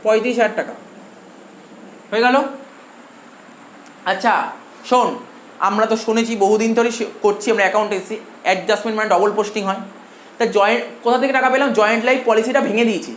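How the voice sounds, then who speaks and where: A man's voice: sits high, fairly even intonation, quick pace, long pauses. A male commerce teacher with a Bengali accent, lecturing a class and constantly quizzing his students with repeated questions. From India. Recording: echoey room with faint noise.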